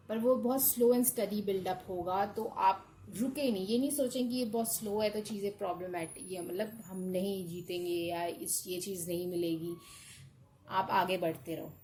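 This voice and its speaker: A woman's voice: on the low side, a little mellow, a little hiss or hum, low-quality recording. A woman doing a casual tarot card reading, reassuring her listeners and mixing in English. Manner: reassuring, often checks in with "okay" and mixes in English.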